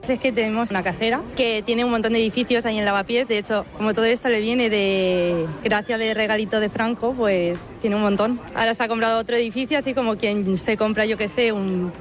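A woman's voice: a little high, fairly even intonation, fairly quick, soft background music. Wry woman telling her story. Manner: wry, sarcastic. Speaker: tenant interviewee. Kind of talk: casual, animated storytelling.

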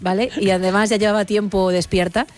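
A woman's voice: medium pitch, level tone, a little fast. A woman hosting a late-night radio show, teasing her co-hosts in casual banter. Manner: teasing, joking.

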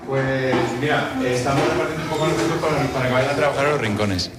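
A man's voice: medium pitch, fast. A man from Madrid with a Spanish accent, a preschool teacher, answering interview questions and explaining patiently. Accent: Spanish from Spain. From Madrid, Spain. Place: school classroom.

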